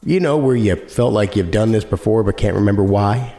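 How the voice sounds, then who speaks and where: A man's voice: fairly low pitch, brisk, mellow, roomy sound, faint music behind. A man hosting a podcast, reading a scripted introduction in a casual, chummy, conversational way. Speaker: podcast host.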